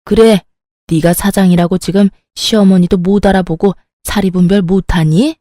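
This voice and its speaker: A woman voicing a scheming, bossy older mother-in-law who scolds in a haughty, shrill way. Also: fairly even intonation, normal speed, dark tone, no echo, studio quality, natural voice. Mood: furious scolding.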